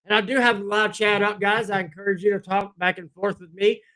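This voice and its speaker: A man hosting a political commentary livestream, blunt and combative, talking straight to his chat with a voice going hoarse. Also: sits high, flat delivery, brisk, bright, forceful tone. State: losing his voice, clears throat. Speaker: livestream host.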